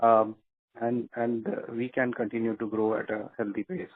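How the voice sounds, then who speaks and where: A company executive answering an analyst's question at a measured pace, with many fillers and restarts. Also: male voice, mid-range voice, level tone. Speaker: company executive on earnings call. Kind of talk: earnings call answer. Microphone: conference call phone line. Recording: dry tinny phone line.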